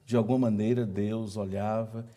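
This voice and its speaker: A man's voice: fairly low pitch, level tone, moderate pace, warm tone. A man with a Brazilian accent, a pastor and guest, speaking enthusiastically in a religious discussion with frequent exclamations. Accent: Brazilian Portuguese.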